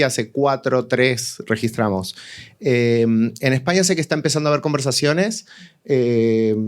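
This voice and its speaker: A man with an Argentine Spanish accent talking informally in a panel discussion, thinking aloud in halting phrases and repeating words for emphasis. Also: medium pitch, clean tone. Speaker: panelist, audio fiction producer.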